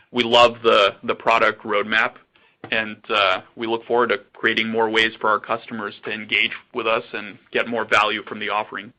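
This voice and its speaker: A man's voice: on the low side, pushed and bright, rough recording. A man speaking as a company executive on an earnings call, confident and promotional. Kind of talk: answering questions on an earnings call.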